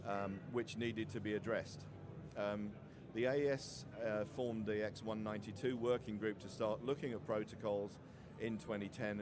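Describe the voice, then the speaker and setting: A middle-aged man giving a technical slide presentation, halting and often repeating words as he goes. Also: lowish voice. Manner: hesitant, halting delivery with frequent stumbles and repeated words. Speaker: industry conference presenter. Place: open presentation area at a trade show. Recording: noisy busy trade show floor.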